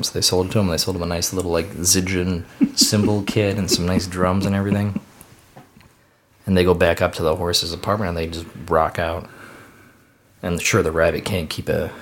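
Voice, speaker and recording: A man with a notably low voice tells a long shaggy-dog joke in a loose, rambling way, chuckling as he goes. Faint room ambience sits behind him. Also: level tone, brisk, slight background noise. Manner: rambling, laughing at his own story. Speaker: podcast panelist.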